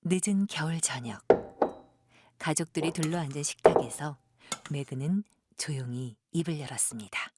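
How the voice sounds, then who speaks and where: A woman's voice: deep voice, moderate pace, heavy background noise. A woman narrating an audio drama from a script as a storyteller.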